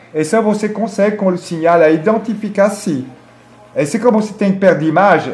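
With a French accent, a man talks in a high voice over noticeable background noise. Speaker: drone technician. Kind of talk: interview. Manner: halting.

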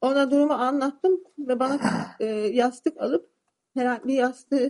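A woman with a Turkish accent speaks at a high pitch and a moderate pace. The sound is dry and close, with no echo. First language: Turkish (speaking Swedish). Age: 40s. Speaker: defendant in criminal trial. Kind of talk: court testimony under questioning. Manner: halting, hesitant.

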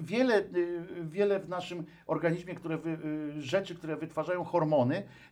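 This man's voice is high in pitch. Its pitch variation is ordinary. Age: 50s. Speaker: former journalist and radio host. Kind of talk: interview about depression.

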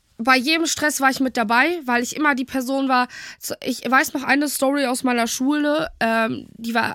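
A woman's bright, sharp, raised voice projects at a high pitch with fairly even intonation and a moderate pace, on a very clean recording with a silent background. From Cologne, western Germany. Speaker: podcaster and social media creator. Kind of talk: casual chat.

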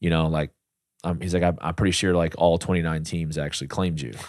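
With a Southern US accent, a man talks at a very fast pace. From US South. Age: 30s. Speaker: professional baseball pitcher. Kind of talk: casual interview. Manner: loud.

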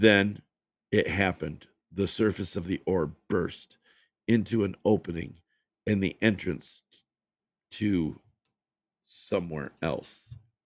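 A man's put-on character voice, raspy and very deep, with fairly even intonation at a fairly slow pace and long, frequent pauses. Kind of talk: horror narration. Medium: read story. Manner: casual, profane.

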